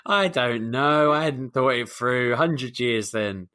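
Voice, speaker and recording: A man co-hosts a casual podcast with a bright, forward voice at a middling pitch. He teases the others and breaks into laughter often. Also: slow pace. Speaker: podcast co-host.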